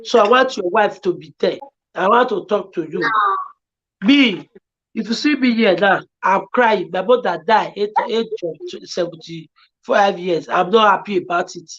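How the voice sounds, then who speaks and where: A woman with a Nigerian accent talks earnestly, pleading and repeating herself as she gives advice. Her voice sits at an ordinary pitch for a woman. The audio is dull and lo-fi. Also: normal speed. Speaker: guest. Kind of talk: emotional advice-giving chat.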